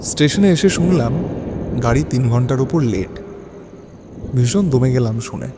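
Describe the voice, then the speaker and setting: A man playing a lonely, brooding widower, narrating his haunted memories in an introspective, theatrical audio drama style with rhetorical pauses. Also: medium pitch, lively intonation, background noise. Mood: gloomy. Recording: long reverb, music bed underneath.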